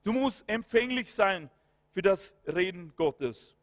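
Male preacher, sermon, fervent with hallelujahs and amens, high voice, long hall echo. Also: animated, slow. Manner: breaks into spoken prayer and commands.

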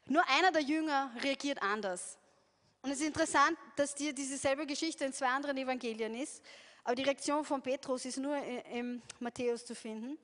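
A woman preaching a sermon in an earnest way, often breaking into soft laughter and restarting her sentences. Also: high voice, fairly quick. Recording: long hall reverb.

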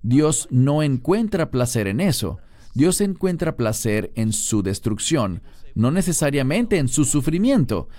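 A man's voice: medium pitch, sing-song, unhurried, warm tone, no room sound. A man preaching a sermon verse by verse, reading scripture and then explaining it. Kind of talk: expository sermon.

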